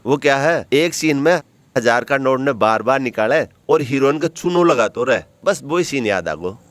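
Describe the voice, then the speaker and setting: An actor playing a humble, joking street food vendor with a Marwari accent. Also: male voice, medium pitch, expressive, normal speed, no echo, natural voice.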